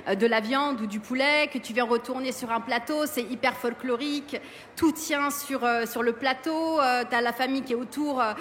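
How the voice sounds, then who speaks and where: A woman's voice: high voice, moderate pace, fairly bright tone, long reverb tail, slight background noise. A woman from France, a food blogger guest, answering on a live stage with many fillers and plenty of passion. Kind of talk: live radio interview. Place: outdoor festival stage.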